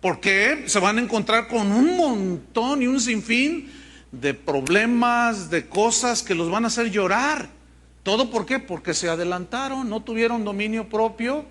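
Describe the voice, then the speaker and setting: A man's voice: high voice, unhurried. A man preaching a sermon as pastor, telling stories and acting out the quoted dialogue. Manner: animated storytelling, acts out dialogue in quoted voices.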